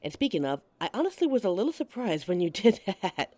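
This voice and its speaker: A woman's voice: medium pitch, big pitch swings, brisk, darkish tone, no echo. A woman playing a giggly, teasing date. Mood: friendly. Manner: teasing and giggly, laughs often. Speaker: voice actress in an audio roleplay. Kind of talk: audio roleplay addressing the listener as a date.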